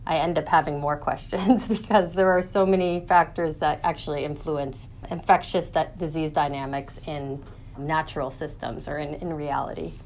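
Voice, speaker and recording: A woman's voice: low voice, steady tone, moderate pace, a little mellow, slight background noise. A woman, an academic guest explaining her research in an interview.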